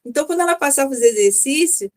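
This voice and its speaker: Talking fast in a high, expressive voice, a Brazilian mentoring client in her fifties shares her own story in a chatty way. Little acted-out dialogues and frequent tag questions run through her testimonial.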